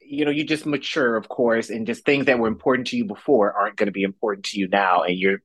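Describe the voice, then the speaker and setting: A man's voice: fairly low pitch, steady tone, quick pace, a bit bright, slightly rough, no room sound. A man in his thirties chatting as a guest, easygoing and playful. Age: 30s. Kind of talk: casual chat.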